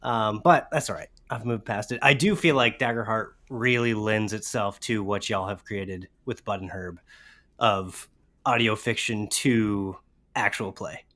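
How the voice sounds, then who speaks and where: A man's voice: on the low side, unhurried, fairly bright tone. Man chatting casually as a guest. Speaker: guest on podcast livestream. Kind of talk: casual chat.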